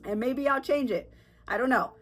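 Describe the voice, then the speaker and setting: A woman's voice: sits high, normal speed, faint music behind. Congested woman chatting candidly on her podcast. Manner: candid, chatty, rambling with fillers and nervous laughs. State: congested, sick with a sore throat. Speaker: podcast host. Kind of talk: casual solo podcast talk.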